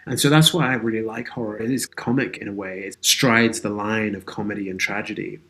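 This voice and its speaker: A man with a fairly low voice speaks as an interview guest. He is earnest and reflective, working through his thoughts in a philosophical, conversational way. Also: steady tone, brisk, fairly bright tone. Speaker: interview guest, audio drama creator and actor.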